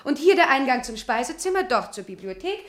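Haughty, high-voiced maidservant. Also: female voice, sing-song, brisk, a bit bright. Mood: haughty, formal. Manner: haughty, correcting, ceremonious. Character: formal, snobbish female villa servant showing visitors around. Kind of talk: German radio crime play acting.

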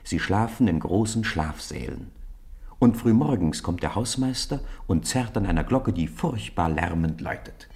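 A man narrating a German children's radio play as an expressive, deliberate storyteller. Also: low voice.

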